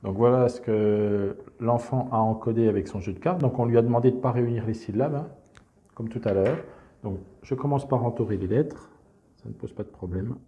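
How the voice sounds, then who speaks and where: Calm man with a very dark voice. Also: mid-range voice, a little fast. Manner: calm explanatory, frequent "donc" and "hein". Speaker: teacher presenting a reading method. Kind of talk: instructional screencast walkthrough.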